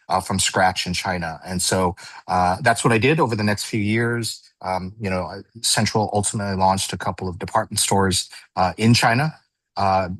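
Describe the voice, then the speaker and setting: American guy in his 50s introducing himself on a live panel, kinda low voice, loose and chatty, lots of uhs, dry close sound. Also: no room sound. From United States. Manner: relaxed, chatty, hesitant with many fillers. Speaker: venture capital panelist.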